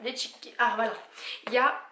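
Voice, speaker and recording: A woman's voice: fairly high pitch, steady tone, a little fast, sharp tone. A woman chatting casually through a shopping haul, listing items and prices and stumbling over English brand names. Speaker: vlogger showing a shopping haul. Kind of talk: casual haul vlog chat. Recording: echoey room with faint noise.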